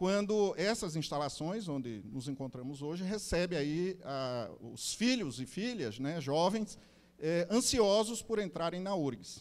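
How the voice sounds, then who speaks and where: A man with a Brazilian accent speaks at a high pitch and a fairly slow pace, with very wide pitch swings and audible room echo. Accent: non-southern Brazilian accent, noticeable. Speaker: university professor and institute director. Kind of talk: opening address at a conference.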